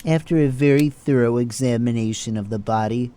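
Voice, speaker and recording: A man playing a stern, condescending hospital chief of staff in an audio drama, formal and measured. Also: mid-range voice, dark tone, a little hiss or hum, natural voice.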